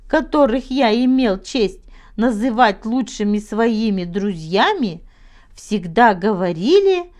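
A woman voicing a proud old baron who tells tall tales in an earnest, self-important storybook manner. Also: mid-range voice. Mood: pompous, offended.

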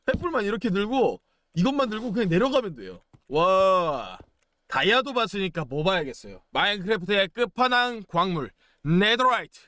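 A man's voice: high-pitched, big pitch swings, normal speed, pushed and bright, dry recording. A young man giving playful, chatty commentary while playing a game, chanting and exclaiming as he goes. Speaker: gaming YouTuber.

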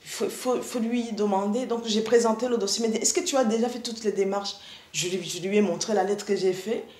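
A middle-aged woman from Rwanda gives her church testimony over a video call, earnest and halting, often restarting her sentences. Her voice sits at an ordinary pitch and rings in a noticeably echoey room. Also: steady tone, a little mellow. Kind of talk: spoken testimony. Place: indoor room, seated in armchair.

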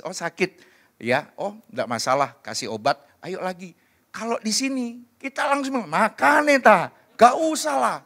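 A male pastor gives a relaxed, conversational sermon, slipping into stories and everyday talk. His voice sits a little high for a man. He speaks to the congregation in a chatty, storytelling way. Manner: chatty, anecdotal, acts out quoted people in lively voices. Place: church service.

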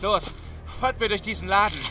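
An actor playing a resolute young street gang leader in an audio drama, speaking with urgent command. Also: male voice, high-pitched, moderate pace, very noisy, natural voice. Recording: music under the voice.

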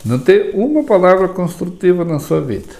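A man with a Brazilian Portuguese accent, an herbalist giving spiritual advice in a casual chat, telling lively stories and acting out little dialogues. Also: high voice, normal speed, gravelly.

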